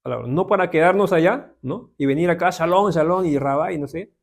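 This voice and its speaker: A man's voice: on the high side, brisk, gravelly. A man with a Peruvian accent teaching an informal Bible class, talking conversationally with many tag questions to his listeners. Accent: Peruvian Spanish. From Peru.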